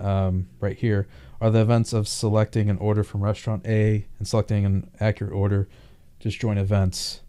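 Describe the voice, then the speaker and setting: Low, monotone male tutor, mellow. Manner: halting, thinking aloud. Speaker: math tutor. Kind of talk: informal worked-problem tutorial.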